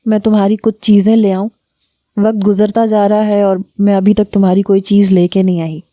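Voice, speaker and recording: A woman's voice: medium pitch, level tone, mellow, no echo, lo-fi sound, natural voice. A woman voicing a busy middle-aged mother who talks in a practical, matter-of-fact way.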